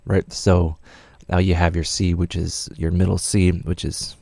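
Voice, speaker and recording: A man's voice: low voice, little pitch movement, a little slow, vocal fry, warm tone, no echo. A man teaching music production in a casual, rambling tutorial with many fillers.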